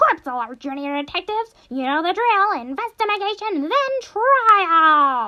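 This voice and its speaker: A woman uses a cartoonish character voice at an extremely high pitch. Her pitch swings very widely, with hardly any pauses. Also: fairly slow pace. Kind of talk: character impression.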